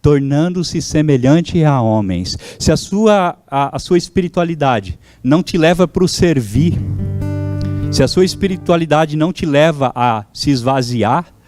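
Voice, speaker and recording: A man's voice: fairly high pitch, lively intonation, a little slow, darkish tone, faint music behind. A man whose first language is German, preaching a sermon as pastor, fervent and calling out to his congregation.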